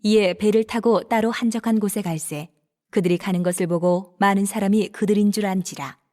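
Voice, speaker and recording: Steady woman narrating scripture. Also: mid-range voice, fairly quick. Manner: steady, formal reading.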